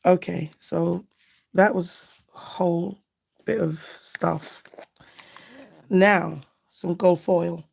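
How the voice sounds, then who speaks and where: Casual livestream host: woman, slightly lower-pitched, gravelly and hoarse, chatty and affectionate. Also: steady tone, very slow, long pauses, a little mellow. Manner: chatty, affectionate, thinking aloud. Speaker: nail art livestream host. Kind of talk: casual live chat while doing nails.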